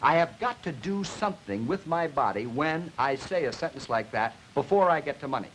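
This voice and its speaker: A man's voice, fairly high and swinging widely in pitch, rides on the soundtrack of a noisy 1950s educational film. Playing a linguistics teacher, he lectures emphatically and deliberately, stressing key words as he explains, sounding animated and a bit bright.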